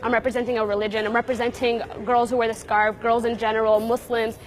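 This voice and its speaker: A woman's voice: a little high, level tone, fast. A young woman who talks in a casual, chatty way and retells conversations. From United States. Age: young adult. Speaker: university student and runner.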